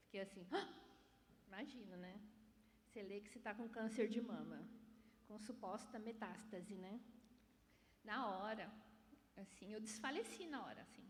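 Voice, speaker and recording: A soft-spoken woman with a fairly high pitch talks at a moderate pace with long, frequent pauses and big swings in loudness, amid audible room echo and noticeable background noise. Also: ordinary pitch variation. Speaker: church member giving testimony. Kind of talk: testimony. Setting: church service.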